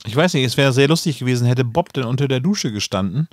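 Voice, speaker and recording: A man's voice: medium pitch, animated, fast talker, no room sound, studio quality. A man co-hosting a podcast with casual, conversational banter. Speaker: podcast host.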